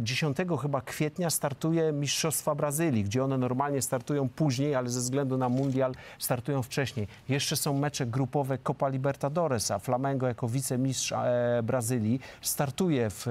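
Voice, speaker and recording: A man's voice: medium pitch, darkish tone. A middle-aged man talking as a football pundit in a TV studio discussion, fluent and emphatic, with frequent hesitation fillers. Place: large TV studio.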